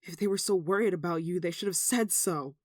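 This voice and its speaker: Soft, earnest, devoted voice acted in intimate roleplay. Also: medium pitch, a little fast, dry recording, clean studio sound, close to an everyday voice. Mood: relieved, concerned. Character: devout, tender human devoted to a gentle demon. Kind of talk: ASMR roleplay, one-sided dramatic dialogue.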